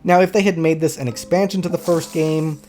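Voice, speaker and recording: A man with a stuffy cold, narrating a sarcastic, apologetic video game review over soft background music. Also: fairly high pitch, steady tone, brisk.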